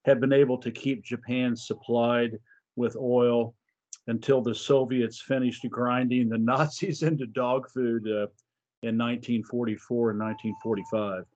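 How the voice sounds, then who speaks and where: A man co-hosting a podcast, asking questions in a slow, thoughtful way with many pauses. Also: mid-range voice, fairly even intonation, a little mellow. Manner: slow, thoughtful, hesitant with fillers. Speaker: podcast co-host. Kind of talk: conversational interview questions. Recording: dull lo-fi remote audio.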